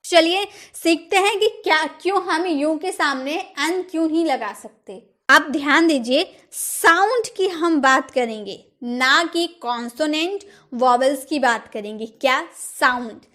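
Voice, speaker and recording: A woman's voice: high-pitched, unhurried, pushed and bright. A woman teaching English grammar for exam prep. She asks the class questions, answers them herself, and stresses key words by repeating them.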